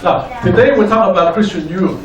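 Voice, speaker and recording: Older man, very slow lecture delivery, distant echoey noisy recording. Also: high voice. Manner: deliberate, simply worded. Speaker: guest lecturer, clinical psychologist. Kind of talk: lecture given in short phrases for an interpreter. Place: echoey indoor venue.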